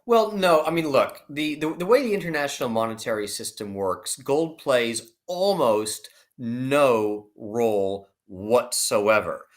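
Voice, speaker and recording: A man with a mid-pitched, very lively voice gives expert commentary as a guest analyst. He explains in a conversational but emphatic way, putting rhetorical questions as he goes. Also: a little slow, hardly any pauses.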